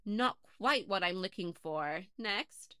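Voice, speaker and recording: A woman's voice: mid-range voice, animated, takes it slowly, pushed and bright, clean tone, no room sound. Dry, chatty woman podcast host. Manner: chatty, wry, dismissive of suggestions. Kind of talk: audio play acting.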